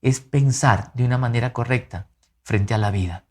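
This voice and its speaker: A man preaching a sermon as pastor, earnest and emphatic, swinging from lively rises to soft, quiet drops. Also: mid-range voice, moderate pace.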